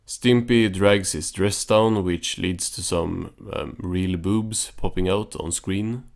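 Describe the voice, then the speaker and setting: Casting: man with a low voice, offhand and understated, casual cartoon recap narration. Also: steady tone, takes it slowly, gravelly.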